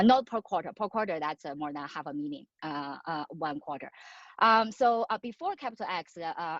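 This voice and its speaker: A woman from China in her thirties speaks with a slightly low voice, pausing often with fillers as she introduces herself on a video call. The sound is dry and a bit muffled, from a laptop mic out on a patio. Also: fairly bright tone, no echo. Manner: halting, many fillers. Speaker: venture investor. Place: outdoors on a patio.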